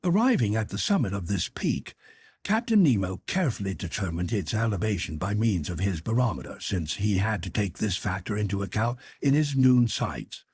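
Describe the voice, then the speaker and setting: Low, husky male audiobook narrator. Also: animated, normal speed, darkish tone. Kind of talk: scripted literary narration of a classic adventure novel.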